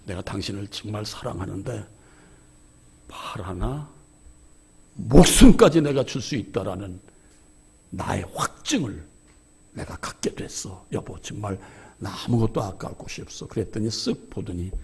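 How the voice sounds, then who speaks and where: A man preaching a sermon as pastor. He tells candid stories about himself and swings between hushed asides and shouted emphasis. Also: lowish voice, lively intonation, moderate pace, gravelly, husky. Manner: candid, self-deprecating storytelling. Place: church.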